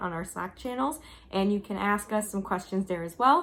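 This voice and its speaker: A woman speaks at a moderate pace in a normal speaking voice, her intonation lively. The recording is very clean, with a silent background. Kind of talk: event announcements.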